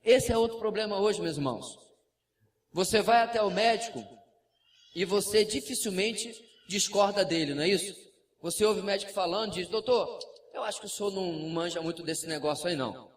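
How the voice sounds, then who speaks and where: A Brazilian man with a Brazilian Portuguese accent preaching a lively sermon in a church, with asides and acted quotes. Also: high-pitched, brisk. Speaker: pastor. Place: church sanctuary. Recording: distant mic, faint room noise.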